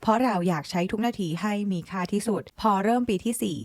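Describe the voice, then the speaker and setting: A woman's voice: medium pitch, fast talker, a little mellow, no room sound. Brief: woman storyteller, sassy asides, dry close sound. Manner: sassy, addresses listener as girlfriend. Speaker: storyteller reading a forum post. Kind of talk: reading a story aloud with chatty asides.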